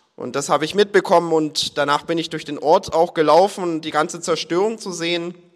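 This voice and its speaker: This man has a high pitch and fairly even intonation. He talks at a fairly quick pace with hardly any pauses. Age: 20s. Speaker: climate activist and press spokesman. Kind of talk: panel discussion.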